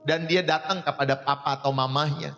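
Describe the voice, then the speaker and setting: Pastor, male, 30s, emphatic sermon delivery with sudden high peaks; long hall reverb. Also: steady tone, brisk, bright, forceful tone, faint music behind.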